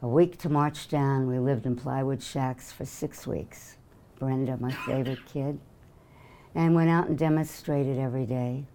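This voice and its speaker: Older New York woman, low mellow voice, offhand guest lecture full of fillers. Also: steady tone, unhurried, slight background noise. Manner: offhand, joking, many fillers. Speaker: guest speaker. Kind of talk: casual lecture talk.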